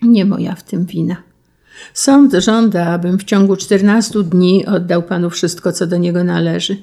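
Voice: mid-range voice, steady tone, normal speed, warm tone, close to an everyday voice. A reader voicing a proud young count who gives up his name and estate, dignified and firm in an audiobook reading.

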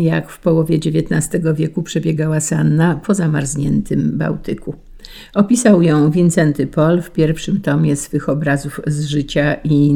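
A woman presenting on radio and reading a literary passage in a calm, measured way. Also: low voice, creaky. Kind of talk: scripted narration and reading.

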